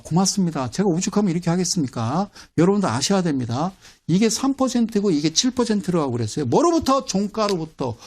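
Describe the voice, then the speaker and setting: A man giving a broadcast stock market lecture, animated, repeating phrases and quizzing his viewers. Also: a little high. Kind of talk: broadcast lecture with audience questions.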